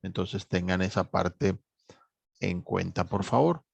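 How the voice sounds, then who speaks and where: A male English teacher, giving a measured online course lecture full of reminders and fillers. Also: sits low, vocal fry, husky, dry recording, lo-fi sound. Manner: measured, repeats reminders, many fillers like "obviamente".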